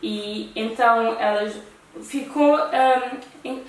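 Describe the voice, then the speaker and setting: A woman with a European Portuguese accent, acting as a talk show host, chats casually with a friend. She speaks slowly in a voice on the high side. The very echoey room and distant mic add a little hiss or hum.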